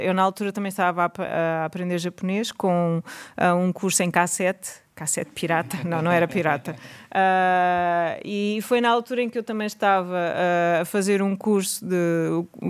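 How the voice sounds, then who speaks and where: A woman's voice: medium pitch, smooth. A woman with a European Portuguese accent, talking to an audience in a chatty, self-mocking way with many fillers. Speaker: speaker telling her story to an audience. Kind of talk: live talk to an audience.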